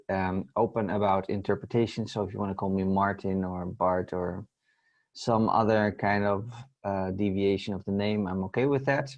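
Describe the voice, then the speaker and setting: A man's voice: lowish voice, a little mellow. A man with a Dutch accent, an agile coach introducing himself in a webinar over a video call, with wry, self-deprecating humor. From Netherlands. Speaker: agile coach and guest speaker.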